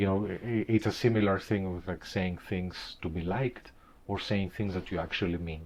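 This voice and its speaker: Someone with a Greek accent speaks at a moderate pace with fairly even intonation against a quiet background. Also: man, very deep, low pitch for a man. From Greece. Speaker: composer and professor. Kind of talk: interview. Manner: monotonous.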